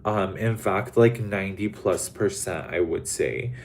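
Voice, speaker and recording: A young man from Los Angeles hosts a casual livestream, his voice sitting a little low. He rambles, leaning on "like" and "um" constantly, and swears bluntly when he gets going. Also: measured pace. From Los Angeles, USA. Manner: rambling, many fillers like "like" and "um". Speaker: livestream host. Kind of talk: casual chat to live viewers.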